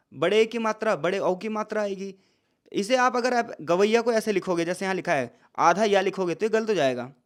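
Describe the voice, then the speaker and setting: A young man with a high, light voice gives a casual lecture. He keeps asking his listeners questions and then answers them himself, in a chatty, friendly way of explaining. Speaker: teacher.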